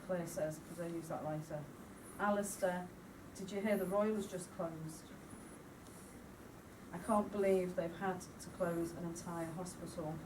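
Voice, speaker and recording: A woman with a lowish voice reads a draft script aloud, matter-of-fact as she gives lines and cues. She sits away from the mic, with clear room noise. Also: fairly even intonation, measured pace. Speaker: writing workshop participant reading out a script. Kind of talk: informal read-through of a draft radio drama. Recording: distant mic in a noisy room.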